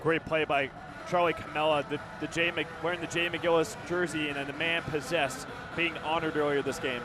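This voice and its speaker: A man giving live radio football analysis in a halting, conversational way, often restarting his phrases. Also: on the high side, level tone. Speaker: color commentator.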